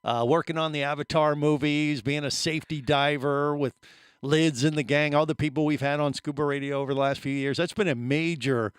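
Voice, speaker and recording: A man hosting a radio show, asking a guest questions in an excited, rambling way. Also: on the high side, fairly quick, clear, resonant tone, no echo, studio quality. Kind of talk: interview conversation. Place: radio studio.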